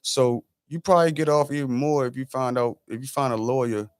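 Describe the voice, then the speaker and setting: A man's voice: mid-range voice, brisk, clear, resonant tone, dry recording, clean studio sound. A man in his forties talking loosely and laid-back in a casual podcast chat.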